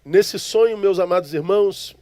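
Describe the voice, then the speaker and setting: Impassioned high-voiced preacher from Rio. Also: male voice, normal speed, mellow, no room sound. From Brazil, Rio de Janeiro. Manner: dramatic, impassioned, stammers when moved. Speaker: pastor. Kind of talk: emotional sermon storytelling.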